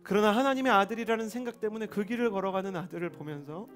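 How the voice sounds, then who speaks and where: Young male pastor telling an animated sermon story. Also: sits high, fast. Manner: animated storytelling, acting out quoted voices. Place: church service. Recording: faint music behind.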